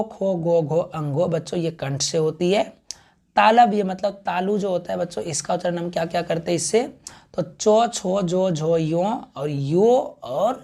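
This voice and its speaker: Teaching a grammar class, a man keeps calling out to the children, sounding out syllables slowly and answering his own questions. His voice sits high, with vocal fry and a darkish tone.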